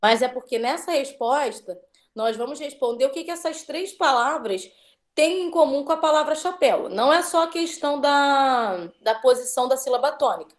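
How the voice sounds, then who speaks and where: A woman's voice: high voice, animated, moderate pace. A woman teacher giving an online class, patiently drawing out words as she drills syllables.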